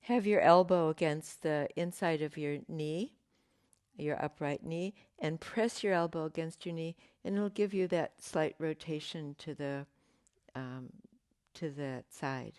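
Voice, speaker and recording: A woman teaching a yoga class, giving gentle, unhurried cues with pauses and fillers, her voice slightly croaky. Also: low voice, no room sound, clean studio sound. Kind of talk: guided yoga class instruction.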